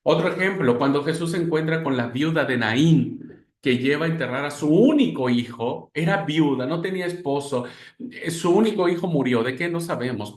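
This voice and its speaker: A man's voice: mid-range voice, echoey room. A man teaching a class on Christian spirituality like a sermon, calling his listeners brothers and acting out the voices he quotes. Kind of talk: class lecture in a preaching manner.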